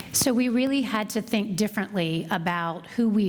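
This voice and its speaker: Audible room echo surrounds the recording. A woman speaks with ordinary pitch variation. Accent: Southern US. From US South, South Carolina (Columbia). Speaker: library director. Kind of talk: conference talk. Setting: conference audience. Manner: slow, deliberate.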